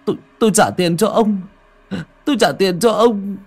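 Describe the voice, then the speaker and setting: A man's voice: normal speed, a bit bright. A man doing a stammering terrified young thief. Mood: begging. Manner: stammering, pleading, higher-pitched.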